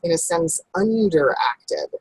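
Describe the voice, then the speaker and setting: A woman voiceover coach chatting casually in an interview, animated, with big upward jumps in pitch when she stresses a point. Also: slow, slightly rough, no room sound, rough recording.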